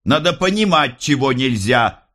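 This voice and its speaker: A man's voice: medium pitch, a little slow, voice pushed up. A man doing a lazy, grumbling prison guard. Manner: flat, grumbling.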